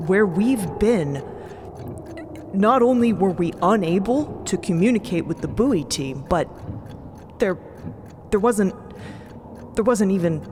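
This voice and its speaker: Man acting a halting, nervous junior timekeeper. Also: high voice, background noise. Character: flustered, anxious subordinate timekeeper pleading with his superior. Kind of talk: audio drama character acting.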